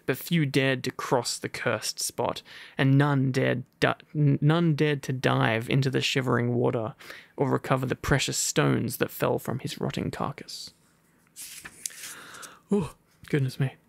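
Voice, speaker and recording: Soft-spoken British RP man, ASMR boyfriend, sleepy and overfull, unhurried, dry close sound. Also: mid-range voice, steady tone, gravelly, no room sound. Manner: drowsy, soft and playful, with gentle whispers. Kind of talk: soft ASMR storybook reading and pillow talk.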